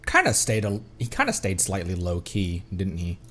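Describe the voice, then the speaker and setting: A man's voice: low voice, wildly swooping pitch, moderate pace, fairly bright tone, soft background music. A man streaming a game with casual, sarcastic running commentary. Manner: wry, sarcastic.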